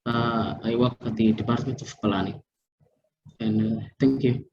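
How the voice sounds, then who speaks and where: A man's voice: medium pitch, steady tone, unhurried, darkish tone. A man from Somalia introducing himself as an education ministry planner, plain and a little hesitant. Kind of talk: self-introduction. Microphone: video call. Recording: lo-fi call with clear background noise.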